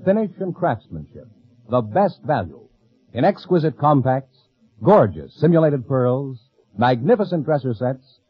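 A man's voice: fairly high pitch, breathy edge, dull audio. An American man working as a radio announcer, delivering scripted copy in 1940s style on an old recording.

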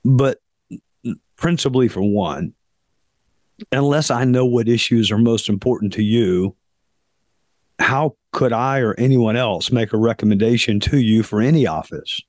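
Hoarse man hosting a podcast. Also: mid-range voice, a little mellow, dry recording, clean studio sound. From South Carolina, US. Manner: deliberate, pausing often with fillers. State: hoarse, losing his voice. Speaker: podcast host. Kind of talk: reflective podcast monologue.

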